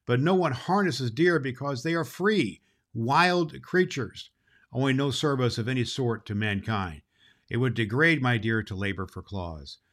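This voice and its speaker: A man reading the part of a surly male deer keeper who protests loudly and slowly. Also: mid-range voice, pitched above the performer's own voice, natural voice. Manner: protesting loudly, slow and emphatic.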